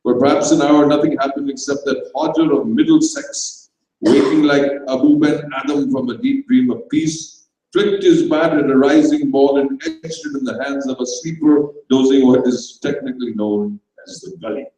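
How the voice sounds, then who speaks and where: A man giving a dramatised, measured reading of a comic short story in an indoor venue. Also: mid-range voice, steady tone, warm tone. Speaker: story reader. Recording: very echoey room, distant microphone.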